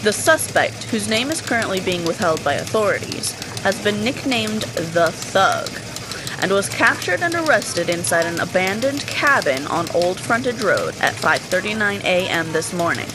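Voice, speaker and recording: A woman's voice: medium pitch, sing-song, moderate pace, music in the background, lightly acted, poor audio. A woman acting an earnest news reporter, giving a formal, emphatic breaking-news report in an audio drama. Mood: earnest, urgent.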